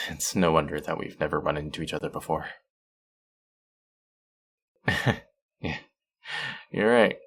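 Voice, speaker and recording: A man's voice: low voice, vocal fry, exaggerated voice. A man playing a friendly, teasing, slightly bashful young traveler in a casual, intimate one-sided audio roleplay. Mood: teasing, intrigued.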